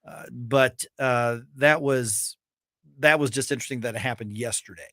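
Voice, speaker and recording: A male morning radio host speaking at a mid pitch, talking loosely with his co-hosts. He stops and restarts sentences, leaning on fillers like "uh" and "you know." The studio sound is dry and close. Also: a bit bright, dry recording. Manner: halting, many restarts and fillers. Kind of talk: casual talk radio banter. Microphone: studio microphone.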